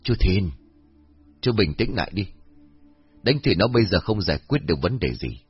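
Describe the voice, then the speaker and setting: A man doing a calm patient village elder. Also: deep voice, moderate pace, husky, lo-fi sound, faint music behind, exaggerated voice. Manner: patient, mildly puzzled, persuasive.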